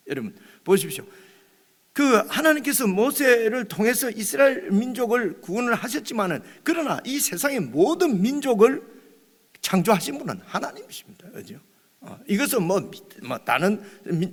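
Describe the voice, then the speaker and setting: A male pastor giving a dawn prayer meeting sermon in a conversational way, often checking with his listeners and pausing on fillers. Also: sits high, husky, big-room sound. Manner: conversational, often asks "right?"; hesitant, many fillers and restarts.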